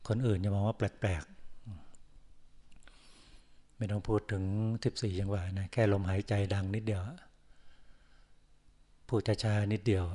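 A male Buddhist monk giving a sermon, speaking slowly and calmly with frequent pauses. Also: fairly low pitch. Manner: slow, measured speech with many pauses and the particle "na". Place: forest monastery.

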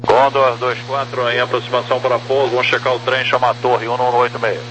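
A man's voice: mid-range voice, little pitch movement, fast, over music. A man with a Brazilian accent speaking as an air traffic controller in clipped, formal phraseology over a two-way radio like CB. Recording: noisy radio transmission with hum.

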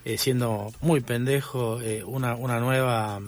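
An Argentine man talks through his ideas in a radio studio, thoughtful and unhurried. His voice sits at an ordinary middle pitch. His sentences stop and restart around frequent filler sounds. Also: fairly even intonation. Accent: Argentine Spanish. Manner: reflective, hesitant, many filler sounds. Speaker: documentary film director. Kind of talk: radio interview.

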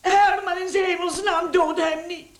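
Fearful, high-voiced pleading mother. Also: steady tone, moderate pace. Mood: terrified, pleading. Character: fearful, tender, pleading middle-aged mother. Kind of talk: radio play acting. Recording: echoey, noisy, with clicks.

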